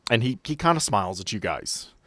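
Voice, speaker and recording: A man with a low voice runs a tabletop game as game master. He improvises scenes and rulings in a narrating style, recorded close and dry. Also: big pitch swings, fairly quick, bright, forceful tone, no echo.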